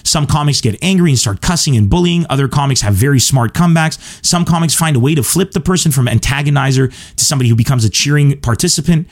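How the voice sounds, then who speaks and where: A Lebanese stand-up comedian hosts a solo podcast, answering listener questions in an earnest, emphatic and self-assured monologue. His voice is mid-range and a little mellow.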